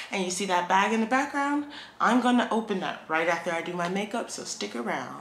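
Speaking with audible room echo, a woman is heard over light background noise. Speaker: vlogger. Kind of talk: casual vlog chat. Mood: chatty, reflective. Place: home room. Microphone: phone near.

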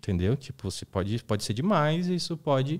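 In a quiet setting, a man's voice swings very widely in pitch. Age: young. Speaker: neurologist; guest. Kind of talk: casual interview; interview answer. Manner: halting. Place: studio. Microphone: studio mic.

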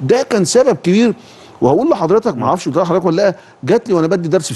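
A man's pitch rises and falls very widely as he talks fairly quickly. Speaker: guest. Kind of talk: interview answer with anecdote. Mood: animated storytelling. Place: studio.

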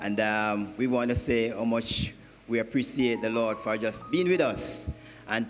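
Faint music sits in the background. A man talks over it at a moderate pace. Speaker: church host giving welcome. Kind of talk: church welcome address. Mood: warm, cheerful. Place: church.

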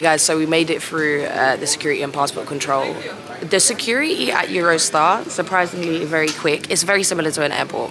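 Noticeable background noise beneath a fairly quick, fairly low-pitched female voice of ordinary pitch variation. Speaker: travel vlogger. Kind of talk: casual vlog chat. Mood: annoyed but playful. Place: station. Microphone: phone near.

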